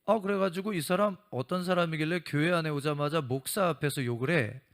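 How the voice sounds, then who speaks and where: A man's voice: on the high side, fairly quick. A male pastor preaching a sermon and telling a story, acting out its dialogue.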